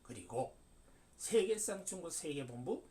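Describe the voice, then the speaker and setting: A man's voice: a little high, sing-song, normal speed, warm tone. A man in his seventies giving an emphatic religious lecture, declaiming with sudden rises and falls. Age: 70s. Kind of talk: preaching lecture. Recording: distant mic.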